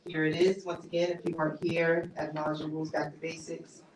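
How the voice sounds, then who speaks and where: A woman's voice: deep voice, little pitch movement, fast talker, crowd noise. A woman author giving a casual talk and answering audience questions, chatty with lots of fillers and easy laughs. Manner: conversational, laughs easily, many fillers. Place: small bookstore cafe event space. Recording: echoey room, mic far off.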